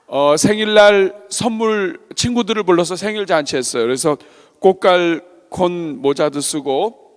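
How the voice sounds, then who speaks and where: A man's voice: high-pitched, in a large hall. A man preaching a children's sermon in a church, telling a story and asking the congregation questions. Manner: animated, asks the congregation questions and acts out voices. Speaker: pastor. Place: church sanctuary.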